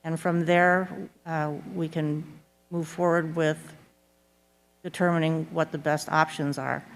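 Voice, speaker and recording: A middle-aged woman with a notably low voice speaks as a local candidate. Her delivery is earnest and halting, and long hall reverb surrounds her words. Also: flat delivery. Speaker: candidate for town board. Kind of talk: forum closing statement.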